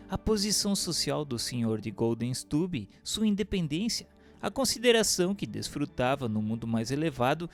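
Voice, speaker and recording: A man narrates a spiritist book in a measured, formal reading marked by lively pitch swings. Faint music plays underneath his voice.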